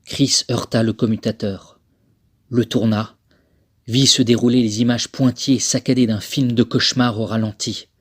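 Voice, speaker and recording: A man, a voice actor, delivering scripted narration in a theatrical, measured manner. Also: medium pitch, little pitch movement, husky. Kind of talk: scripted dramatic narration for a demo reel.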